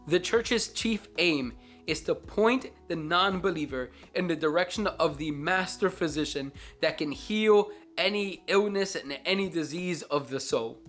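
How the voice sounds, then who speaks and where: A man's voice: on the high side, a bit bright. A man hosting a Christian book review vlog, talking in an earnest, reflective, almost preacherly way.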